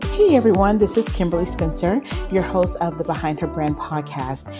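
Low-voiced woman, slightly nasal. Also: moderate pace, music in the background. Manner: earnest, encouraging, storytelling. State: recovering from a cold. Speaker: podcast host. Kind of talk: solo podcast monologue.

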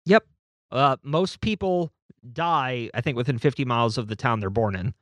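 A man's voice: medium pitch, moderate pace, no echo. A man co-hosting a podcast, chatting casually about a book and reading long passages aloud. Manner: lively, animated delivery with restarts. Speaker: podcast co-host.

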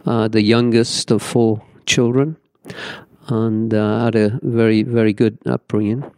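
A man's voice: lowish voice, level tone, a little slow, warm tone, no echo, studio quality. A man in his seventies with a Welsh accent, a pastor telling his life story in an interview in an earnest, reflective way with many fillers. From Wales. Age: 70s.

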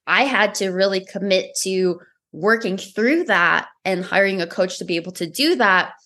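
A woman whose first language is Romanian, a mindset coach telling her story in a podcast interview, earnest and animated. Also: medium pitch, normal speed. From United States. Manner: earnest, animated storytelling with acted-out inner dialogue.

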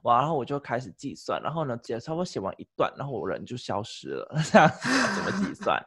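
A male host asks curious questions in a relaxed interview chat. His voice is gravelly and husky, and it swings widely up and down in pitch. The recording is close and dry. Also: fast, no echo.

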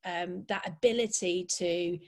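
A woman from Scotland with a slight Manchester accent, talking reflectively as a podcast guest and often pausing and restarting. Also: fairly low pitch, steady tone, a little mellow. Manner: hesitant, many pauses and restarts. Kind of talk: reflective interview chat.

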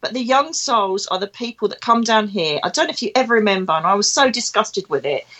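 A woman's voice: medium pitch, animated, a little fast, a bit bright. Chatty woman with an Essex accent. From Essex, England. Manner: chatty and emphatic, with rhetorical questions. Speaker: podcast host and psychic medium. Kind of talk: conversational spiritual monologue.

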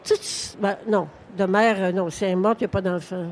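An older woman with a Québécois accent talks frankly and with animation, often breaking into laughter. She is a novelist answering questions on a book fair stage, and her voice sits at an ordinary middle pitch. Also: fairly even intonation, normal speed, darkish tone, slight background noise. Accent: Québécois French. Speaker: novelist guest. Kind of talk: conversational interview on stage.

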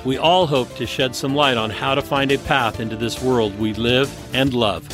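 Over music, a Northern California man with a mid-range voice hosts an off-road interview podcast at a normal speed. He reads the intro and the ads, then moves into conversation with his guest.

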